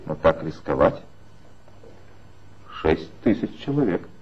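A cautious police colleague in a 1960s radio play, speaking slowly in a deep voice. He asks hesitant, worried questions. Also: sing-song, highs cut off, a little hiss or hum, full character voice.

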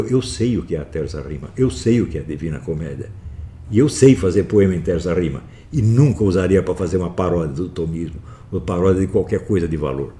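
A man giving a philosophy lecture, swinging from calm explaining to forceful scolding. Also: sits low. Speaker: philosophy teacher. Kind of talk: recorded online lecture.

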